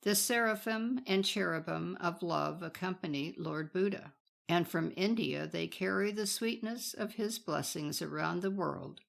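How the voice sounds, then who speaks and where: A woman's voice: on the low side, vocal fry. A woman reading a scripted spiritual teaching in a solemn, reverent, formal manner.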